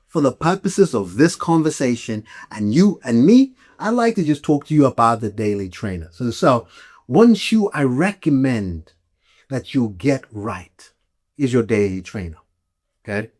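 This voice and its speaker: Hosting a podcast, this Malawian man talks casually about gear in a mid-range, slightly mellow voice that is very animated though a little slow. He speaks emphatically and frequently checks in with whoever is listening.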